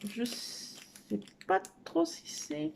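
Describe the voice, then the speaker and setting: This middle-aged craft vlogger talks extremely slowly in an expressive, creaky voice that sits high and sounds a little mellow. Chatting casually at home about her haul, she's hesitant and filler-heavy, over slight background noise.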